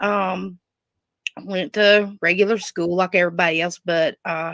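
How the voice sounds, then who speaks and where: A woman speaks with a strong Southern US accent at a medium pitch and a moderate pace. Her intonation stays fairly even, and the sound is dry and close with no echo. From US South. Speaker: interviewee sharing life story. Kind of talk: casual interview.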